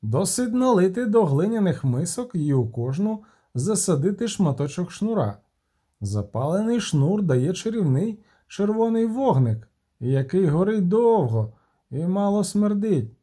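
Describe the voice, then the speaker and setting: A man's voice: high voice, big pitch swings, unhurried, dark tone, husky, pitched above the performer's own voice, heavily acted. A man voicing a cheerful, shrewd halfling merchant who counts out figures precisely. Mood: calculating.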